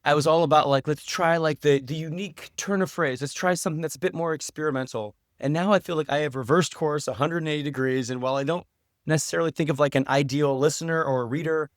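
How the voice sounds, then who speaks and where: A man's voice: on the high side, quick pace, dry recording, clean studio sound. A man speaking as a podcast guest, giving articulate, informal answers in a conversational way. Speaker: podcast guest, writer and English professor.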